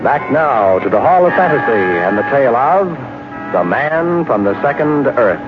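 A man as a dramatic, deliberate announcer for a 1950s radio anthology. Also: medium pitch, sing-song, loud music behind the voice, natural voice. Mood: dramatic, portentous. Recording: tinny old radio recording.

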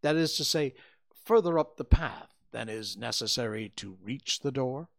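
A man reading aloud, voicing a calm, shrewd male detective who asks precise questions. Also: mid-range voice, normal speed, vocal fry, voice pushed up. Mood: probing.

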